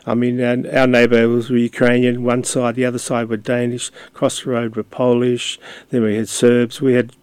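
An older man speaks in a level, unvaried voice, pausing often on fillers and restarting his sentences. The sound is close and dry, with no room around it. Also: medium pitch, completely flat delivery, darkish tone, smooth, no room sound. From Australia. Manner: hesitant, many fillers and restarts. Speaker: community radio guest. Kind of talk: casual interview talk.

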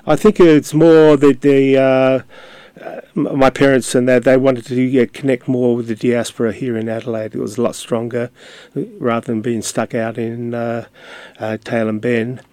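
Man, older, hesitant, lots of fillers, flat delivery, dry close sound. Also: medium pitch, moderate pace, clear, resonant tone, no echo. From Australia. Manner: hesitant, many fillers and restarts. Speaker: community radio guest. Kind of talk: casual interview talk.

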